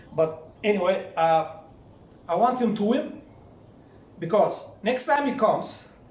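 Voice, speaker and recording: Speaking at a fairly slow pace with long, frequent pauses, a man with a high pitch makes very wide pitch swings at very even loudness, with audible room echo around him. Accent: Bulgarian. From Bulgaria. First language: Bulgarian. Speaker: self-defence instructor. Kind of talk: lecture. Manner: animated.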